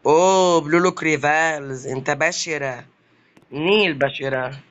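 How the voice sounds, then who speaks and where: A man's voice: fairly high pitch, a little slow, a bit bright. A man with an Egyptian accent giving casual, jokey commentary over gameplay, exclaiming often. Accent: Egyptian Arabic. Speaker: gaming youtuber. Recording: dull lo-fi sound with faint noise.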